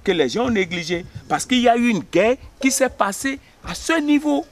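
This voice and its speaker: A man in his fifties from Benin, a history teacher, telling village history in an outdoor interview, pausing on fillers and often checking he is understood. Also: very high voice, sing-song. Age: 50s. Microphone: camera at close range.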